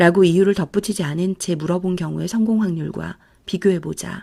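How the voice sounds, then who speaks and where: Calm and dark, with a mellow tone, a woman speaks at a moderate pace and a medium pitch. Her pitch varies in an ordinary way, and the recording is very clean with a silent background. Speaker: audiobook narrator. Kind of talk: audiobook narration, non-fiction reading. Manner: soft, calm, ASMR-style reading.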